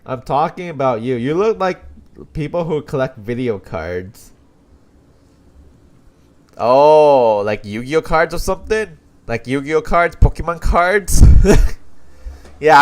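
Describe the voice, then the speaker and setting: A man from Canada who comments casually while streaming a video game. He talks haltingly, restarts his sentences often, and chuckles. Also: mid-range voice, expressive. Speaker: livestreamer.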